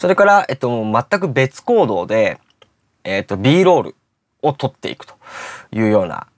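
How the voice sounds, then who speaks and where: A man keeps a fairly quick pace against a quiet background. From Kanagawa, Japan. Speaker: vlogger. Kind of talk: casual vlog chat. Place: home room.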